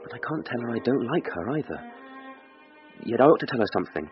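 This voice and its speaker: Anguished young clerk, played by a man, very lively pitch, dull radio sound with faint music. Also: quick pace, close to an everyday voice. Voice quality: anguished and fretful. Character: lovesick, desperate young clerk, anxious and self-pitying. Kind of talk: radio drama monologue.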